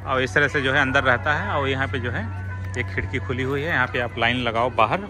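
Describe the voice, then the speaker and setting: A man's voice: medium pitch, fairly even intonation, brisk, music in the background. A middle-aged man with an Indian accent giving casual, explanatory vlog commentary, mixing in English exclamations. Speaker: vlogger, father showing his outing. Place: outdoor parking lot at a public event. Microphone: phone at arm's length.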